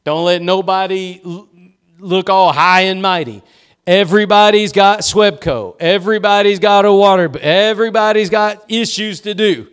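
A man's voice: high voice, normal speed, fairly bright tone, clean tone. A male pastor preaching a sermon in a church, with emphatic repeated cadences and rhetorical questions.

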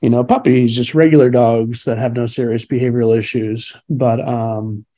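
Answering interview questions casually, a dog trainer born in Cuba wanders from story to story, dropping frequent fillers and breaking into laughter. He speaks at a normal speed in a warm, mid-range voice with fairly even intonation.

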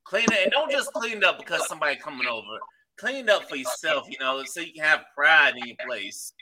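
A man hosting a podcast in casual chat, loose and profane and quick to laugh. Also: fairly high pitch, big pitch swings, a loud crowd. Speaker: podcast host.

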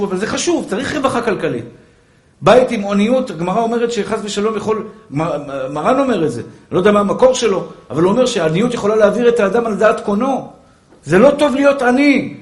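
A man with a high voice delivers a fervent sermon in a roomy, echoing space. He pleads with his listeners and calls them brothers and pure souls. Now and then he softens into gentle, coaxing asides. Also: animated. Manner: fervent preaching with sudden soft, coaxing asides. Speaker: rabbi.

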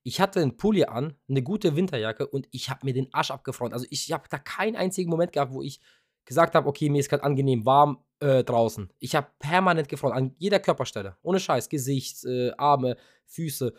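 A man's voice: mid-range voice, lively intonation, brisk, dry recording, studio quality. A young man co-hosting a podcast, telling a long casual story with lots of fillers and offhand swearing. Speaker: podcast co-host. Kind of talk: casual chat.

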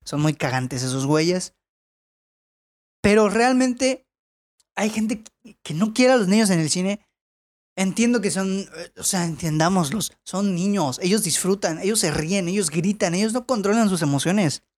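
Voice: medium pitch, lively intonation, unhurried, a little mellow. Mexican host, chatty and ranting. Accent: Mexican Spanish. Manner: chatty, goes off on tangents, gets worked up and ranting. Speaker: podcast host reading listener anecdotes. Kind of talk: casual chat.

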